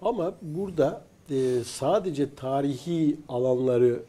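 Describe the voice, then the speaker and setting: Mellow, measured male guest. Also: mid-range voice. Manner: measured, earnest, hesitant fillers. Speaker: guest producer. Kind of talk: casual studio conversation.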